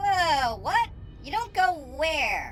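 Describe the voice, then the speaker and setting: Someone performs a put-on character voice. Clear background noise can be heard. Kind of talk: crude bro slang. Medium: comedy sketch. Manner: smug, mocking.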